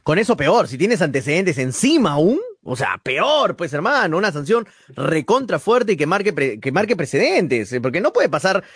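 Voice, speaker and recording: Peruvian male football show co-host, lively, rapid, indignant, dry close sound. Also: on the high side, slightly rough, no echo. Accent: Peruvian Spanish. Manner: emphatic, indignant, repeats words. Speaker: sports talk co-host. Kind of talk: heated football commentary chat.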